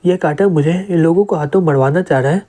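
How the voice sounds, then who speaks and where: Calm young male lord, steady, slightly high, mellow, read by a man. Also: fast, close to an everyday voice.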